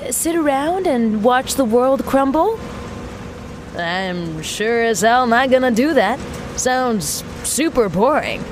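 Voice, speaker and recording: A woman's voice: a little high, big pitch swings, slow, slight background noise. An actress playing a brash, self-assured young woman mechanic in a sci-fi audio drama, talking wryly into a recording as if interviewing herself. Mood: confident, wry. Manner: wry, self-interviewing, casually sweary.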